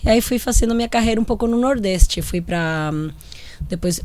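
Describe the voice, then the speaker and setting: A woman's voice: a little high, moderate pace, darkish tone, a little hiss or hum. A woman from Chile, a native Spanish speaker with a Chilean accent, telling her career story as a guest on a podcast, chatty with some restarts. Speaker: football coach, guest. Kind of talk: casual podcast interview.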